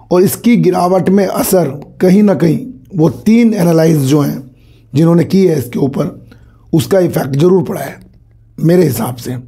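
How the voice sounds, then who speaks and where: A hoarse man with a cold hosts his own market commentary, talking casually to viewers as sir. His voice is very dark and mellow and sits a bit high for a man, with a husky edge. He repeats phrases as he goes. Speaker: stock market channel host.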